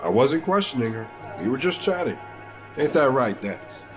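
Man acting easygoing small-town policeman, folksy, audio drama, clear music behind. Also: mid-range voice, sing-song, normal speed, close to an everyday voice. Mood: casual.

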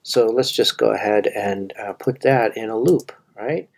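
A man's voice: fairly low pitch, unhurried, gravelly. A man walking through a coding puzzle on screen, thinking aloud with fillers and restarts. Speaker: coding tutor. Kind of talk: screen-recorded coding walkthrough.

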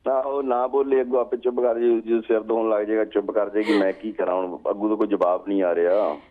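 A man's voice: lowish voice, level tone, quick pace. A man calling in to a chat show, joking and repeating himself, often ending with a questioning "huh?". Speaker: regular phone-in caller. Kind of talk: casual chat. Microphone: telephone. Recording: tinny phone line.

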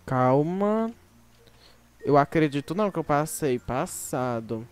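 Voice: medium pitch, lively intonation, slow, smooth, faint music behind. A Brazilian-accented YouTube gamer chatting to viewers while playing, with frequent exclamations and sudden shrieks. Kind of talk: casual gameplay commentary.

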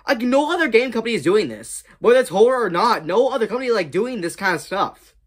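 A man's voice: high voice, very animated, fast. A young man casually commenting as host of a reaction video, recorded in a small room at home. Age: young adult. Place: small bedroom full of shelves, indoors.

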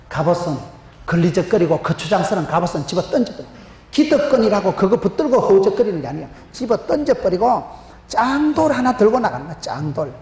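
A middle-aged man with a strong Gyeongsang dialect, preaching an animated, humorous sermon, often dropping low for punchlines. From Gyeongsangbuk-do, Korea. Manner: emphatic, humorous, gestures a lot, drops to low punchlines. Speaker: pastor. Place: large church stage with chalkboard. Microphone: handheld microphone. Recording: roomy hall reverb, faint noise.

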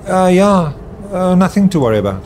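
A man's voice: high-pitched, big pitch swings, moderate pace, darkish tone, a little hiss or hum. An actor playing an anxious, guilt-ridden gay boyfriend in a radio drama, switching between forced casualness and fretful inner monologue. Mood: forced cheer. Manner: swings between forced casual cheer and fretful self-talk. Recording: roomy radio drama with faint music.

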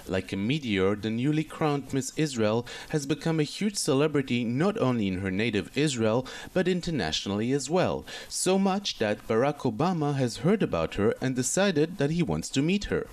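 A man's voice: fairly high pitch, darkish tone, a little hiss or hum. A man reporting as a TV news correspondent, delivering a scripted piece with a polished reporter's cadence, speaking into a handheld mic outdoors. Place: outdoor city street.

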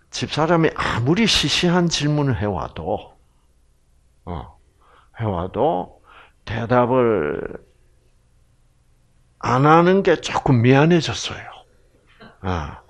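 A man's voice: mid-range voice, big pitch swings, takes it slowly, pauses often. A man with a Gyeongsang accent giving a health lecture with religious themes, humorous and chatty, often putting questions to his audience. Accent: Gyeongsang Korean. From Gyeongsang region, Korea.

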